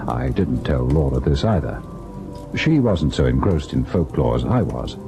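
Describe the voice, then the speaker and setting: An actor playing an educated, earnest husband who narrates a ghost tale in old-time radio style, expressive and at times hesitant. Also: male voice, a bass voice, moderate pace, creaky, music in the background, exaggerated voice. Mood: brooding, reflective. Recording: noisy vintage radio recording.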